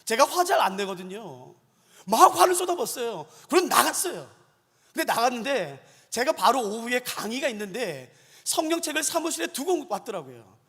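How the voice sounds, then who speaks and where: A man's voice: very high voice, big pitch swings, moderate pace, fairly bright tone, slightly rough. A middle-aged man, a pastor, preaching a sermon in a church sanctuary, telling stories and putting questions to the congregation. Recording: long church-hall reverb.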